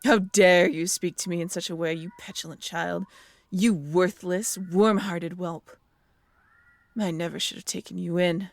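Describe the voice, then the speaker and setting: A woman's voice: on the low side, fairly even intonation, unhurried, creaky, no room sound. A woman playing a proud, flirtatious female dragon in a fantasy audio drama, theatrical and teasing with grand wording. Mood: haughty fury. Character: proud female dragon guardian, suave, flirtatious, quick to offense. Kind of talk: fantasy audio roleplay acting.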